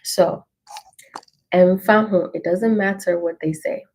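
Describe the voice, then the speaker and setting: A woman teaches a relaxed language lesson and repeats each phrase so learners can follow along. Her voice is mellow and a little husky, and she speaks at an unhurried pace. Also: on the low side, rough recording. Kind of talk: relaxed language lesson, reading through an ebook.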